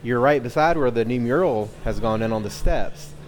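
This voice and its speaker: A man reporting for local news on a city street, chatty and upbeat. He asks his questions casually with frequent pauses and ums. Music plays faintly behind. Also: mid-range voice. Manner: casual, upbeat, filler-heavy. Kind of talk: on-the-street interview.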